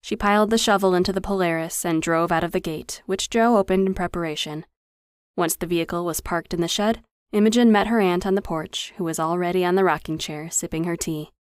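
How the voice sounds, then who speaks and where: A woman reading a novel aloud as an audiobook narrator, measured and even, close to the mic. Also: lowish voice, clean tone, no room sound. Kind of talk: scripted narration.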